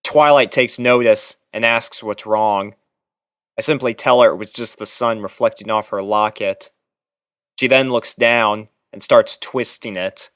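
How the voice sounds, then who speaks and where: Slow, smooth-voiced male story narrator. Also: fairly low pitch, a bit bright, no room sound, clean studio sound. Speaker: fan fiction narrator. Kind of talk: scripted first-person story narration.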